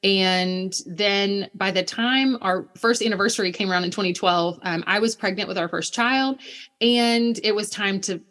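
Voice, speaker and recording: A woman's voice: medium pitch, moderate pace, a bit bright. A woman in her thirties from Alabama, a missionary guest telling her family's story in earnest, detailed conversation. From Alabama, USA.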